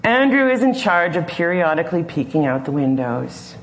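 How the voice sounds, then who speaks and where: A woman preacher retelling a scripture story slowly and imaginatively, often pausing to question the listener. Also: lowish voice, very animated. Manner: slow, imaginative, gently questioning. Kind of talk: storytelling sermon.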